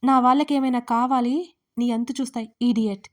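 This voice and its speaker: A woman voicing a furious, desperate mother who shouts threats and accusations in a dramatic audio story. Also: fairly high pitch, fairly even intonation, moderate pace, natural voice. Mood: furious, threatening.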